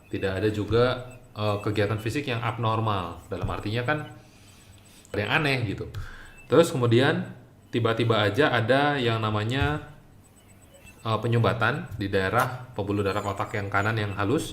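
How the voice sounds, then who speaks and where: A man hosting a casual health interview, asking questions with lively curiosity and laughing easily. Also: lowish voice, roomy sound. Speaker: host.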